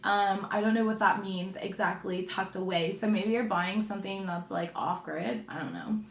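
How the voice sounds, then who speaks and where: A woman's voice: medium pitch, moderate pace. Woman reading tarot for viewers, chatty and reassuring, lots of um and okay, roomy echo. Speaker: tarot reader.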